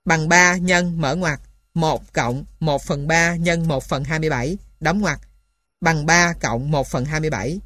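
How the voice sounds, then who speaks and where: In clean studio sound without echo, a low-voiced woman narrates a mathematics textbook at a moderate pace, her tone a bit bright. She dictates from the script, spelling out formulas and punctuation one symbol at a time.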